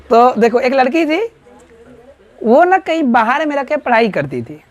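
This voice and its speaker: In a muffled recording, a man with a Bihari Hindi accent teaches grammar to a class in a very high-pitched, sing-song voice, speaking slowly. He keeps firing questions at the students, quizzing them call-and-response style and constantly checking with a repeated "right?"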